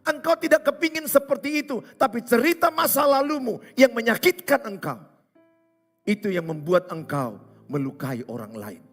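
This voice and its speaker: A pastor preaching a sermon, hammering points home with repetition and rhetorical questions. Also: male voice, very high-pitched, expressive, moderate pace, a bit bright. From Indonesia. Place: large church hall. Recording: reverberant church hall with music.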